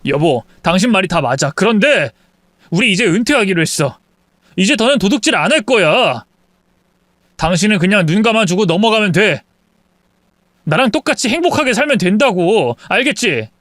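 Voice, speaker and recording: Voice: mid-range voice, big pitch swings, moderate pace, fairly bright tone, dry recording, clean studio sound. A performer voicing a husband from a family of thieves who pleads with his wife in a wheedling way. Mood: pleading.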